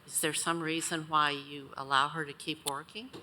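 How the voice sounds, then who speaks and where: A woman's voice: low voice, level tone, normal speed, pushed and bright, a little hiss or hum. A woman chairing a county board meeting, running procedure and asking pointed questions.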